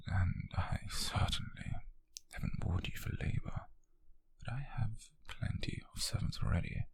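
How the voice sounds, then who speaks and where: Man acting a breathy, possessive British yandere captor. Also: lowish voice, no room sound, heavily acted. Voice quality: breathy, husky, gravelly whisper. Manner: slow, deliberate, menacingly soft. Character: possessive wealthy yandere man, smug and obsessive. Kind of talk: ASMR roleplay, intimate whispery monologue. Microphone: close microphone, dry.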